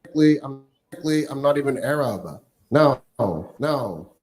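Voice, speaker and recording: A man's voice: medium pitch, animated, normal speed, a little mellow, low-quality recording. A man from Egypt doing a stand-up comedy routine, playful and punchy, sometimes putting on other people's voices. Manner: playful, punchy delivery with put-on voices for hecklers.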